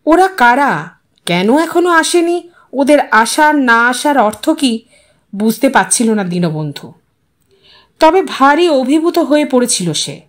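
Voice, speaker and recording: Female narrator, high register, dramatic delivery for literary audio fiction. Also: sing-song, slow, pauses often.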